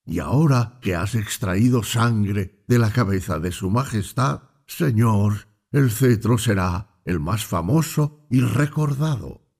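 A man voicing a fawning male royal chamberlain who speaks in a soothing, flattering way in a read fable. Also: fairly low pitch, slow pace, husky, heavily acted.

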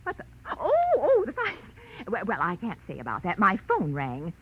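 An actress playing a nosy, prim, gossipy spinster neighbor with an American accent and husky voice in 1940s radio drama, chattering with scandalized indignation. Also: female voice, fairly low pitch, big pitch swings, fairly quick. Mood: flustered, chattering. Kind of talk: 1940s radio character acting. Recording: muffled vintage 1940s radio recording.

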